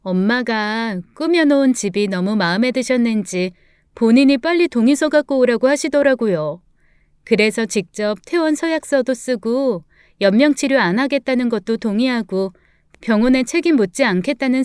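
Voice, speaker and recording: A woman voicing a grieving adult daughter in a read-aloud family story, speaking softly and earnestly. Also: a little high, animated, moderate pace, clean tone, no echo, studio quality, natural voice. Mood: matter-of-fact. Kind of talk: storybook dialogue reading.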